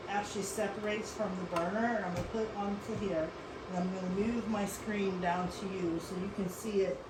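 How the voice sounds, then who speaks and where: A woman from Western Pennsylvania hosting a casual cooking demonstration, chatty and instructive, with frequent asides. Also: medium pitch. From Western Pennsylvania, USA. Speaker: cooking show host. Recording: echoey room with clear background noise.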